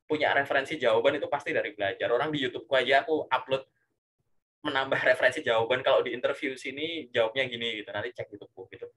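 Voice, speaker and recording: A man giving casual career coaching, animated and full of rhetorical questions and filler tags. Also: medium pitch, fast, slightly rough.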